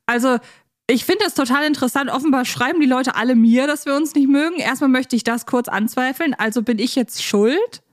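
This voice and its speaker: A woman's voice: high-pitched, a little fast, no room sound, studio quality. A talkative woman co-hosting a podcast in a casual, teasing chat style. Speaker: podcast co-host.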